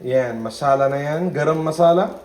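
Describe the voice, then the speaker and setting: A man's voice: a little high, moderate pace, a little mellow, slight background noise. A young man hosting a casual home vlog in a playful, teasing way, slipping English into his talk. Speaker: vlogger host.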